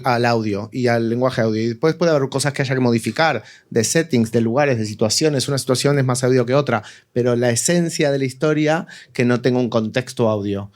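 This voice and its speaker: Man debating, mid-pitched voice. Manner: opinionated, persuasive, repeats words for emphasis. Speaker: audio fiction writer, panelist. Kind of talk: casual panel discussion.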